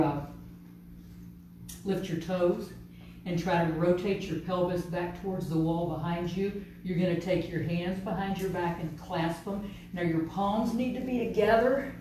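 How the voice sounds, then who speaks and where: Woman yoga teacher, mellow voice, calm unhurried cueing, heard from across a very echoey studio. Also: lowish voice, a little hiss or hum. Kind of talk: guided yoga class instruction. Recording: distant, very echoey studio room.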